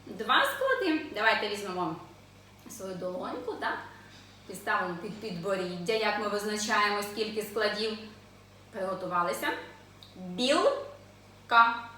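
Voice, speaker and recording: A woman teaching young children to read, sounding out syllables slowly and asking the class questions in a sing-song way. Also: medium pitch, expressive, pushed and bright, slight background noise. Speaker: preschool teacher. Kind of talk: children's literacy lesson. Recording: echoey room, voice from a distance.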